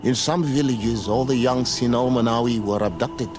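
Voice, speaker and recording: An actor playing a grave, dignified tribal spiritual mentor in a video game, speaking in a solemn, measured, formal way. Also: male voice, medium pitch, noisy background, close to an everyday voice. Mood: wary. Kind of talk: video game dialogue acting. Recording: music behind the voice.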